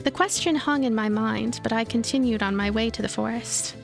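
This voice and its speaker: A woman's voice: on the high side, brisk, creaky, music in the background. A woman streamer reading a visual novel aloud as narration, with casual asides. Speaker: let's play streamer.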